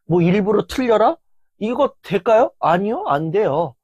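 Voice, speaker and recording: An earnest motivational lecturer whose voice has gone tired after a long filming session, speaking in a dry, close sound. They talk steadily at a middling pitch and act out inner voices in sudden loud bursts. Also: big pitch swings, measured pace, no room sound, dull audio. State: voice worn down after hours of filming.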